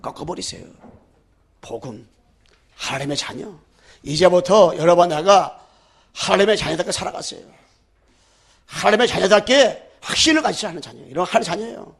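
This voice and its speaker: Male pastor, fervent sermon delivery, high gravelly voice, call-and-repeat with the congregation. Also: lively intonation, fairly quick, long pauses. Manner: fervent preaching, with sudden loud declarations and low asides.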